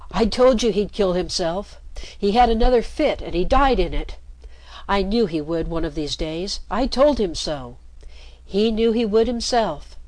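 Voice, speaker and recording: A woman's voice: medium pitch, animated, measured pace, darkish tone, dry recording, pitched above the performer's own voice, close to an everyday voice, low-quality recording. A woman voicing a crippled street boy who is shaken and grieving, speaking in a trembling voice. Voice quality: trembling, shaky.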